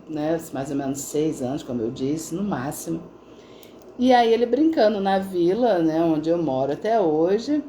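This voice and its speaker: A woman's voice: medium pitch, dark tone, slight background noise. A middle-aged woman therapist talking casually on a live stream, telling stories with frequent tag questions. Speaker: integrative therapist.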